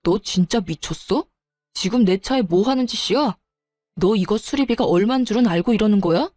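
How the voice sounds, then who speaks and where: A woman's voice: medium pitch, lively intonation, a little mellow, no echo, faint music behind, close to an everyday voice. A woman voicing a defensive, irritated young man who answers back sulkily and blames his partner. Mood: angry. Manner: sulky, blaming, slows down when annoyed.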